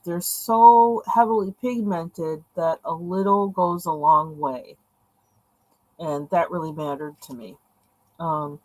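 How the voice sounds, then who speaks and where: Her voice low and fading, an art-supply vlogger chats casually while opening pens indoors at her desk, with many fillers in her rambling talk. The camera sits overhead so her hands are visible; the recording is rough but has no echo.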